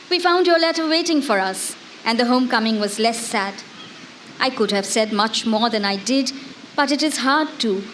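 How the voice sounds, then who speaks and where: Woman reading as devoted wife, high voice. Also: lightly acted, low-quality recording. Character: devoted, brave wife and mother writing to her jailed husband. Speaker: dramatic reader. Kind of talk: staged dramatic reading of letters. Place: live literary festival event in a garden. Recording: faint background noise, live festival stage.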